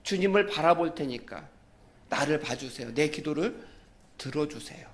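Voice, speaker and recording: A man's voice: on the high side, expressive, normal speed, pitched below the performer's own voice. A man voicing a repentant male prophet who prays humbly from inside a fish's belly. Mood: pleading. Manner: humble, pleading prayer.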